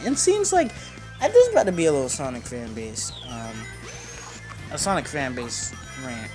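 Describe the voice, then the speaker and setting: A man's voice: sits high, darkish tone. A fourteen-year-old boy giving casual, rambling and opinionated commentary as he plays a video game. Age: 14, teenager. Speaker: gamer narrating a playthrough. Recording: game music behind the voice. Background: video game music.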